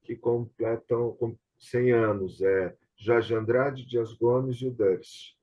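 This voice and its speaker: A man's voice: medium pitch, fairly even intonation, slow, warm tone, dull audio. A Brazilian man hosting a casual conversation about theatre and television, speaking hesitantly and often seeking confirmation. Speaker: host. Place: remote online video session.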